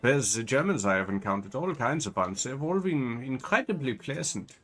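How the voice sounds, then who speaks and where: A man's voice: mid-range voice, very animated, moderate pace, a bit bright, faint music behind. An Irish man giving casual, rambling commentary while playing a game, with lots of fillers. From Ireland. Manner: rambling, chatty, many fillers. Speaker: gaming channel host.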